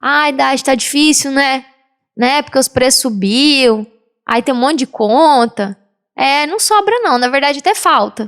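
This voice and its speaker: Putting on a character voice, a woman talks in a high, whiny tone at a moderate pace, with very even loudness. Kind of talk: casual, complaining about prices. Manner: resigned, whiny.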